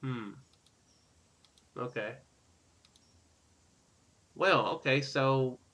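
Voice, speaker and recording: A man's voice: a little high, pushed and bright. A man hosting a gaming series in a casual style, hesitant and rambling, talking and reading story text aloud. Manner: hesitant, rambling, self-correcting. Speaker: host of a Let's Play gaming series.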